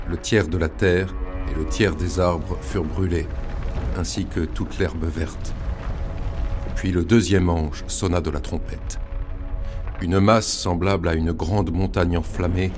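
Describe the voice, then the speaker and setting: A man playing a grave reader of apocalyptic scripture, delivering it in a solemn, deliberate dramatic style. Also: low voice. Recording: prominent music under the voice. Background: music.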